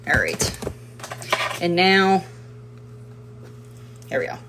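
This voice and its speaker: A woman's voice: fairly low pitch, big pitch swings, very slow, background noise. A woman hosting a casual home cooking video, chatty and rambling, with playful sing-song nonsense rhymes. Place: home kitchen.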